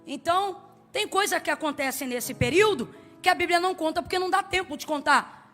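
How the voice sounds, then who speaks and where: A woman preaches with a very high voice, emphatic and dramatic, dropping soft and then rising loud. She calls on the congregation to answer her, with faint music underneath. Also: fairly quick. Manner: asks the congregation to respond. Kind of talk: sermon.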